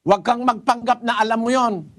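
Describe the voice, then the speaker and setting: A man's voice: extremely high pitch, steady tone, brisk, fairly bright tone. A man, a preacher giving an emphatic, corrective Bible lecture to a caller, repeating his points and switching into English.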